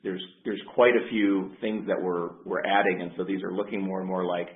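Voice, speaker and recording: A man speaking as a company executive, answering questions on an earnings call in a measured, careful way. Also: low-pitched, level tone. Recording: roomy, dull conference line.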